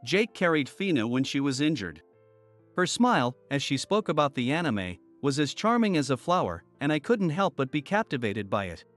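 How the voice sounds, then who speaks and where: A man narrating a first-person story in a steady, even storytelling manner. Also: fairly high pitch, moderate pace. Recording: soft music bed under voice.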